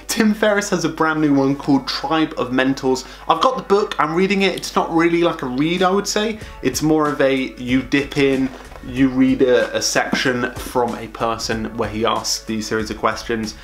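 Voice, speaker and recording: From a small home office, a young productivity vlogger shares his monthly recommendations with the camera close up at his desk, upbeat and chatty, lifting his voice for each new item. His pitch is medium and his pace normal, he calls his own voice monotone, and faint music plays behind him.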